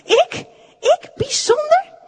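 A woman's voice: high voice, animated, moderate pace, a little mellow, slight background noise. A woman voicing a small, timid wooden puppet boy in a storybook reading, asking hesitant, wondering questions. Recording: echoey room with long reverb.

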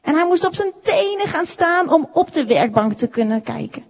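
A woman reading a children's story aloud, expressive and unhurried. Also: extremely high pitch. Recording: echoey room with long reverb.

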